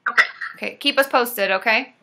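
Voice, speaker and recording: A woman's voice: a little high, brisk, sharp tone. A young adult woman therapist hosting a casual live-stream Q&A, chatty and reassuring, with many fillers and restarts.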